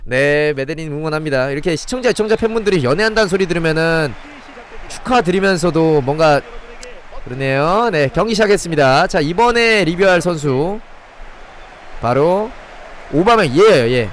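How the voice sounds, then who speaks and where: A man's voice: a little high, normal speed, a little hiss or hum. A young man streaming a football video game, calling the plays and chatting with viewers in between. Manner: excitable play-by-play, chatting with viewers. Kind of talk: live gameplay commentary.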